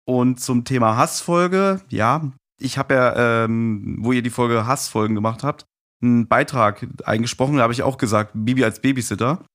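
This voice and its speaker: A man's voice: medium pitch, normal speed, a bit bright. A middle-aged man talking casually and reminiscing as a guest on a podcast.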